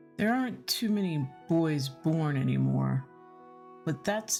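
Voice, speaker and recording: Music plays in the background. The speaker talks at a fairly slow pace. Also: woman. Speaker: storyteller. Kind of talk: read story.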